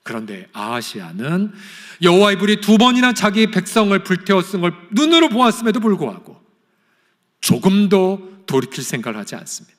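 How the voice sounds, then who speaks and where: Male pastor preaching, voice jumps all over from loud to hushed, long church echo. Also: high voice, wildly swooping pitch, a little fast. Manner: impassioned, swings from loud pleading to soft near-whispers. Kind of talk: sermon. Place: church sanctuary. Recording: church hall reverb.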